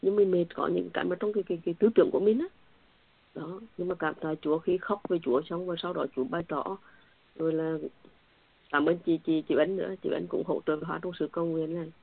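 Fast and husky, with a gravelly lowish voice and a steady tone, a church member recounts her faith testimony to fellow believers. She is earnest, a bit repetitive and at times emotional, heard through a tinny, phone-like line.

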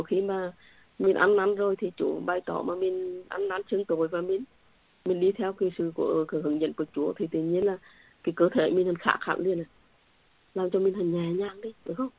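A woman's voice: on the low side, gravelly, husky, no echo. A woman sharing an earnest, somewhat repetitive faith testimony with fellow believers, heard over a tinny phone-like line. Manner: earnest, repetitive, emotional at times. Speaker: church member sharing testimony.

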